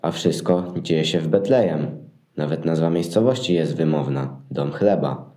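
A shepherd in a Christmas audio play, grumbling yet thoughtful, acted by a man. His voice is very low and mellow, and the room rings around it. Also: normal speed. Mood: musing. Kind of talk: amateur Christmas nativity audio play acting. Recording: roomy, echoing sound.

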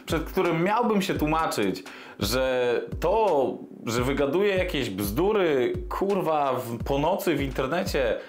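A man in his thirties ranting sarcastically on a commentary vlog, swearing freely and dropping low for emphasis, recorded indoors on a lapel mic. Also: big pitch swings, measured pace, echoey room, faint music behind. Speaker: commentary vlogger. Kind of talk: scripted commentary rant. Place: small indoor room with desk and monitor.

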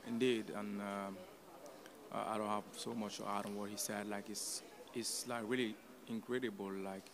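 A young man from Cameroon, a guest in a casual radio interview in an open event booth, talking haltingly with many fillers. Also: lowish voice, flat delivery, background noise. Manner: hesitant, many fillers and restarts. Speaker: youth advisory committee guest. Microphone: table mic on a stand with headphones.

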